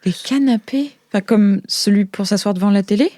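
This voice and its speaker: A woman's voice: mid-range voice, brisk, mellow, dry recording, voice pushed up, natural voice. A woman playing a naive, eager young woman from a future society, puzzled and hesitant as she explains things in an improvised audio fiction. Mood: baffled.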